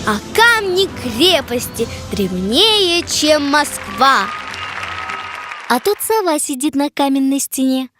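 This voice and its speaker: A woman's voice: sits high, big pitch swings, slow pace, a crowd in the background, heavily acted. A woman playing a curious, eager young female companion in an educational cartoon for children, speaking expressively. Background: music.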